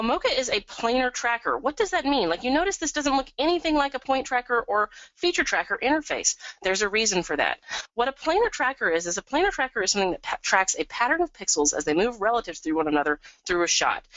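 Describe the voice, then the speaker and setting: A woman presenting a live software tutorial webinar, upbeat and chatty, a bit sniffly from a cold. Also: mid-range voice, no room sound. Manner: upbeat, chatty, lots of "we're gonna". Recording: dull, dry lo-fi webinar audio.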